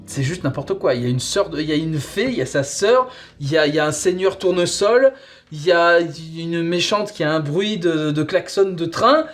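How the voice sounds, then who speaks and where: A man's voice: a little high, expressive, normal speed, faint music behind. A man presenting a comic, conversational review, rambling playfully and drawing out words for emphasis.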